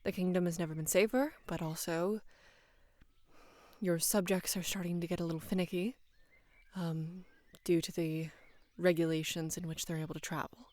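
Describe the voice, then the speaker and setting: A young woman in her twenties playing a devoted female knight in love with her queen, speaking hesitantly and deferentially in a soft, breathy voice for intimate roleplay audio. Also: fairly low pitch, steady tone, dry recording, close to an everyday voice. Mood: dutiful, hesitant. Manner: hesitant, halting, deferential, earnest.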